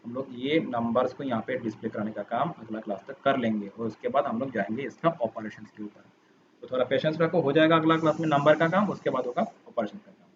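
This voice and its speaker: A man's voice: mid-range voice, fast. A man teaching a programming class, talking patiently and repeating steps as he types code, with a dull lo-fi sound and faint noise. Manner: patient, repeats and rephrases while explaining. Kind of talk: coding lesson walkthrough.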